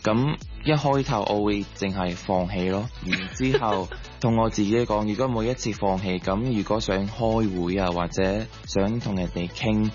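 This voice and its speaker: Man, lowish pitch, English words mixed in, interview storytelling, slightly muffled audio. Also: normal speed, few pauses, a little mellow, faint music behind. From Hong Kong. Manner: mixes English words into Cantonese. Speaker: interview guest, sports coach. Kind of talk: personal storytelling in a radio interview.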